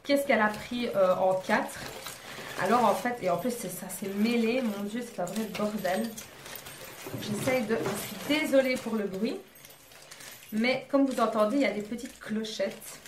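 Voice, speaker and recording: A chatty young woman talks through her purchases in a loose, self-mocking way, often trailing off into fillers. Her voice sits at a middling pitch. The room around her is echoey, with faint noise underneath. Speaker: beauty vlogger. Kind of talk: casual haul chat.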